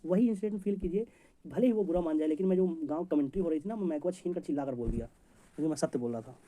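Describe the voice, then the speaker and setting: Fast-talking male exam teacher. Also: on the high side, warm tone. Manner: rapid, chatty, jokey teaching with homely examples. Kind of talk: memory-trick lesson for competitive exams.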